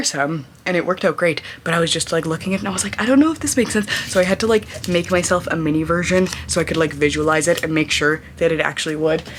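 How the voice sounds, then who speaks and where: Over noticeable background noise, the speech rushes by at a very fast pace. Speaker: creative vlogger and small business owner. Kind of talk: casual vlog talk to camera. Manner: rambling, filler-heavy (like, um).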